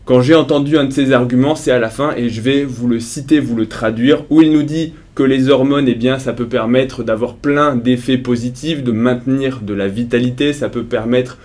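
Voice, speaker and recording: A man's voice: medium pitch, fairly even intonation, normal speed, hardly any pauses, darkish tone. Wry middle-aged man reacting on video. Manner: conversational, ironic, critical. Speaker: fitness YouTuber. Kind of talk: casual commentary video.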